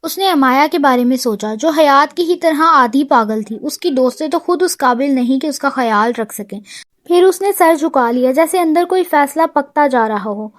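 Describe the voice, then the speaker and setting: Woman narrator, high voice, dry close sound, expressive novel reading. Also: dry recording. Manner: measured, expressive storytelling. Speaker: audiobook narrator. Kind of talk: scripted narration of a romance novel.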